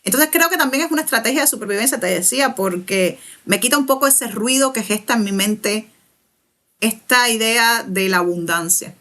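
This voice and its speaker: A young Cuban woman with a Cuban Spanish accent, a writer answering interview questions thoughtfully, pausing and restarting as she searches for words. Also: on the high side, fairly bright tone. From Cuba. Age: young adult. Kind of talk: reflective conversational interview.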